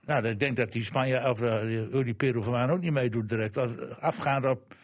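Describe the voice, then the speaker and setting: A man's voice: mid-range voice, fairly quick, no echo, studio quality. A man with an ordinary mid-range voice joins a casual football chat. He sounds cautious, mixing short agreements with careful predictions.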